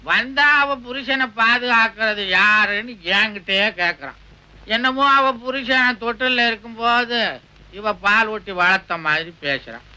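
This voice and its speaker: A man's voice: very high-pitched, unhurried, sharp tone, smooth. A man as a tipsy husband and father, wisecracking back at his wife in film comedy dialogue. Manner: drunken wisecracking grumble.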